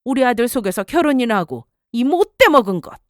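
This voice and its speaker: A woman's voice: on the high side, big pitch swings, brisk, dry recording, clean studio sound. A woman voicing a harsh older mother-in-law who berates her daughter-in-law with contempt. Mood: berating.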